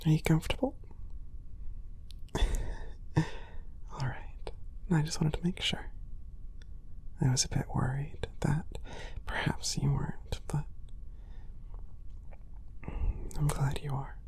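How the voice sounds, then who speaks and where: A woman voicing a gentle, shy, affectionate cat boy in an intimate ASMR roleplay, whispering softly with hesitant, apologetic politeness. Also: low voice, steady tone, measured pace, pauses often, heavily acted. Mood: caring. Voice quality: soft, breathy whisper.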